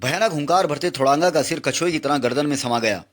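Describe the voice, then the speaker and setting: A man's voice: fairly high pitch, quick pace. A man reading a comic book aloud with dramatic, exclamatory narration.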